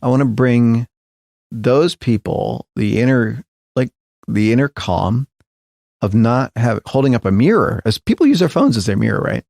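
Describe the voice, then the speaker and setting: A man's voice: medium pitch, expressive, normal speed, creaky, a little mellow, no echo, clean studio sound. A middle-aged man, a tech founder guest in an interview, talking thoughtfully with many restarts and fillers. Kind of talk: reflective interview conversation.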